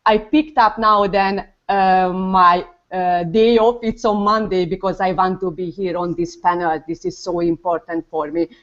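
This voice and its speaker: A woman from Hungary with a Hungarian accent, speaking earnestly and haltingly as a guest in a casual online group chat. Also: on the low side, steady tone, highs cut off. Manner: earnest, halting, searches for words. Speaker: panel guest, mother of a toddler. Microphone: video call.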